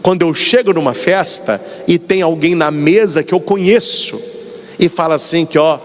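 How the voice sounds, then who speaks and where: A man with a Brazilian Portuguese accent, a Catholic priest giving a sermon, animated and acting out little dialogues as he tells stories. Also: on the high side, normal speed. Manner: animated storyteller, acts out dialogues. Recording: long hall reverb.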